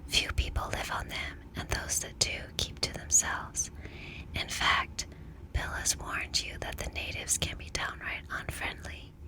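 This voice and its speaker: A middle-aged woman, quiet and soft-spoken, whispering gently in an ASMR talk and reading a book aloud. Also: rough recording. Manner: gentle, unhurried, soothing. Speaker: ASMR creator.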